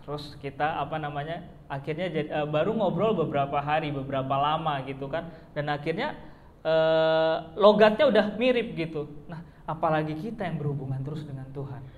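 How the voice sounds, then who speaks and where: High-voiced man preaching in an echoey hall. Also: a little fast, narrow, tinny audio. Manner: conversational preaching with fillers and rhetorical questions. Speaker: pastor. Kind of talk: sermon. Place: church hall.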